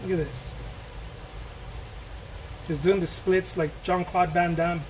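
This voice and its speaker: A man's voice: high voice, fairly even intonation, takes it slowly, darkish tone, slight background noise, rough recording. A man from Mexico chatting casually while he paints live, rambling and joking and answering viewer questions as he goes.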